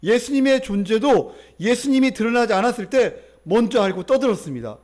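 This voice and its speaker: Korean church pastor guy preaching, highish voice, animated. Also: fairly quick. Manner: animated storytelling, acting out the people in his story. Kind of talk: sermon.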